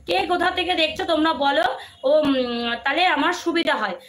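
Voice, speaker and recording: A woman's voice: sits high, normal speed, fairly bright tone. A woman selling jewelry on a live stream without a microphone, talking casually and coaxingly, repeating herself with many fillers and restarts, her throat strained. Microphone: no microphone, phone or camera mic.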